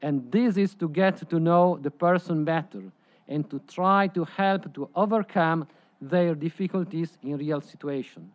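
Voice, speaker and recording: A man whose first language is Italian gives a prepared presentation at a conference, in slightly halting phrasing. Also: fairly high pitch, lo-fi sound. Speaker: presenter at a conference side event.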